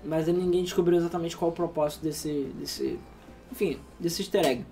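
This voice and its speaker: A man chatting casually about games at a fast clip, sleepy and loose. He rambles and swears freely. Faint music plays under his voice. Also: fairly high pitch, steady tone, gravelly, mellow. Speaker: podcast co-host. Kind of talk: casual gaming news chat.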